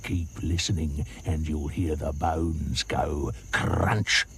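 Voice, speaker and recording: A man voicing an enormous, greedy, boastful male crocodile in a slow, sly, gloating drawl. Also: very deep voice, steady tone, fairly bright tone, slight background noise, voice pushed down, exaggerated voice. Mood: smug.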